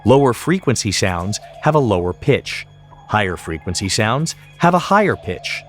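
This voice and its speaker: A man presenting a tutorial in scripted, explanatory narration, enunciating each term clearly. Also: lowish voice, sing-song, moderate pace, soft background music.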